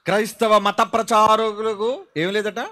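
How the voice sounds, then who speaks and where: A male pastor preaching an impassioned sermon, firing rhetorical questions at his listeners and swinging from loud outbursts to soft asides. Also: high voice, flat delivery, measured pace.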